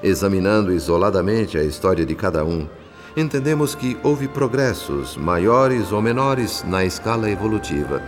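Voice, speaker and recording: An actor with a Brazilian accent playing a gentle, reflective spirit who narrates a radio drama in a measured, solemn way. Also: male voice, fairly low pitch, animated, close to an everyday voice. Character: gentle, reflective male spirit narrator telling a family's story. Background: background music.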